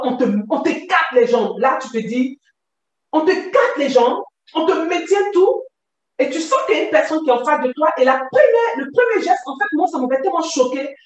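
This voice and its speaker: A woman giving a vivid, animated personal testimony. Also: high voice. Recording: very echoey, distant from mic.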